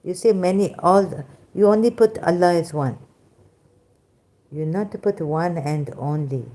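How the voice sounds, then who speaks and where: A woman with a Pakistani accent and Sindhi as her first language, giving an informal religious talk in halting, broken English with many restarts, tired and soft-spoken as she goes on. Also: on the low side. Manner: tired, winded and soft-spoken in later part. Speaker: religious commentator.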